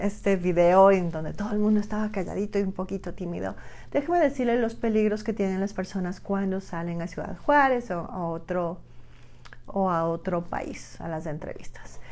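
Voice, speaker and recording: A woman speaks at a moderate pace in an ordinary speaking voice, her pitch medium. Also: ordinary pitch variation. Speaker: immigration lawyer. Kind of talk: informational Q&A segment.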